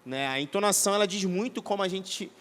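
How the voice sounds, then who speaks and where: A man's voice: high-pitched, fast talker, fairly bright tone. A man with a Brazilian Portuguese accent giving a conversational, didactic teaching talk to a church audience, often checking that listeners follow. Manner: conversational and didactic, many tag questions. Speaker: church seminar speaker. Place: church hall. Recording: reverberant hall.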